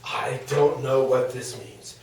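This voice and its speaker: A man's voice: mid-range voice, fairly even intonation, slow, a little mellow, close to an everyday voice. A man playing an aging, smugly amused ancient Greek philosopher husband in a comedic table read, wordy, hesitant and theatrical. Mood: wryly agreeable. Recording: very echoey room, distant microphone.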